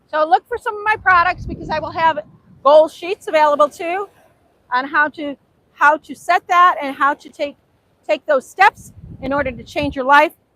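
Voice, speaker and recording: A woman with a high pitch projects a raised voice at a moderate pace, with ordinary pitch variation, big swings in loudness and long, frequent pauses. Her tone is bright and sharp, and the sound is dry and close with no echo. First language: Hungarian. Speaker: real estate agent and author. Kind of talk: live-stream talk on faith-based parenting. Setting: outdoors on a beach.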